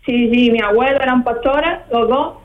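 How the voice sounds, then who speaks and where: A woman's voice: on the high side, moderate pace, noisy background. A woman in her twenties on a phone call, talking over speakerphone and giving plain, matter-of-fact answers. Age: 20s. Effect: on speakerphone over a phone line. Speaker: caller. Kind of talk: phone interview from her workplace. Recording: distant, dull phone line.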